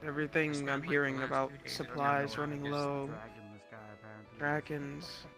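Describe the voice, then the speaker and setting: A man roleplaying in an online virtual world, speaking in a quiet, unsure and halting way. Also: on the high side, completely flat delivery, gravelly, over music. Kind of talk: casual in-character roleplay chat.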